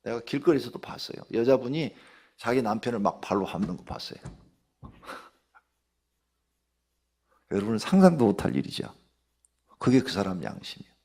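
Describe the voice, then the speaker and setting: A man's voice: medium pitch, lively intonation, normal speed, pauses often, darkish tone. A middle-aged man, a pastor, preaching a dawn-service sermon, telling stories and asking the congregation rhetorical questions.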